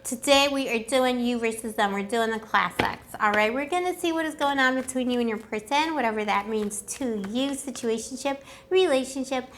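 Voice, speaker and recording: A woman's voice: on the high side, normal speed, hardly any pauses, a little hiss or hum. A woman chatting casually through a love tarot reading as host, playful and rambling with affectionate pet names, her voice slightly strained as if she is losing it. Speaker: tarot reader and channel host.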